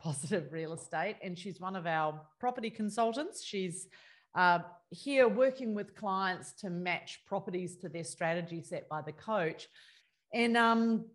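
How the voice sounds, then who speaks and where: Chatty woman in her fifties. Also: lowish voice. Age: 50s. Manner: chatty, laughs often, quick bursts. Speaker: podcast host. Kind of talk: casual podcast interview.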